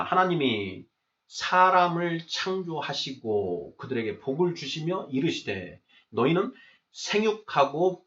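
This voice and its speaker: A man's voice: fairly high pitch, a bit bright. A man giving an explanatory lecture in a question-and-answer format, stressing and repeating key phrases in a didactic way. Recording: distant mic, dull muffled sound.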